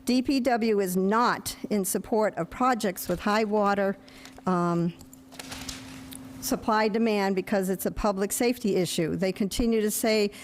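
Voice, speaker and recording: A woman's voice: medium pitch, unhurried, slight background noise. Resident woman, reads her statement steadily and earnestly. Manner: earnest, urging caution. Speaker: resident speaking at public comment. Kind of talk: read public comment. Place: town council chambers.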